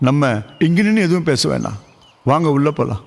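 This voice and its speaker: An actor playing a pastor who calmly soothes a crying father and his son. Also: a little high, fairly quick, vocal fry, big-room sound. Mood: calm soothing. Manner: gentle, soothing. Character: calm pastor soothing a family.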